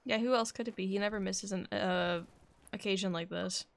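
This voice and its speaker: A woman's voice: medium pitch, moderate pace, vocal fry. A woman live streamer giving casual commentary on a game and reading its dialogue aloud. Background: game music.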